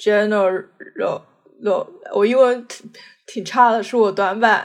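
A woman speaks with fairly even intonation. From Fujian, China. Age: 20s. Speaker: doctoral student. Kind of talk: personal interview.

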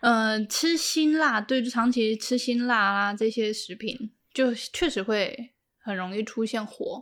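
A woman speaks very slowly at a fairly high pitch with ordinary pitch variation. The recording is very clean with a silent background. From Taiwan. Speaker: traditional Chinese medicine doctor. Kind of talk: expert explanation.

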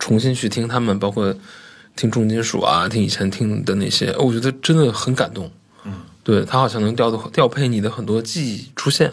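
Speaking at a moderate pace and medium pitch, a man uses ordinary pitch variation in an ordinary speaking voice. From Dalian, northeast China. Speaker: film director. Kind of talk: casual chat.

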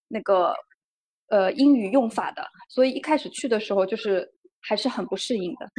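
Speaking at a moderate pace with long, frequent pauses, a woman uses a fairly high pitch and lively intonation. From China. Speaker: podcast co-host. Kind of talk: casual chat.

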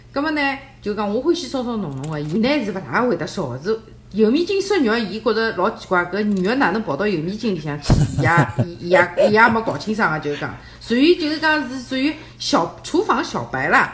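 Over music in the background, a voice moves at a fairly quick pace with very wide pitch swings. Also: woman, fairly high pitch for a woman. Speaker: home chef. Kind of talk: casual chat.

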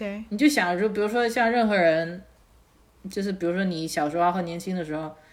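In an ordinary speaking voice, a woman talks at a fairly quick pace with a medium pitch and ordinary pitch variation. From China, moved to the US at about age 11. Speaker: illustrator and teacher. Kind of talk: casual chat.

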